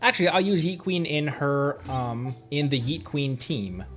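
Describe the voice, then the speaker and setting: A man's voice: a little high, animated, unhurried, fairly bright tone, faint music behind. A man doing casual live game commentary, playfully muttering to himself and chatting to his viewers. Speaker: streamer.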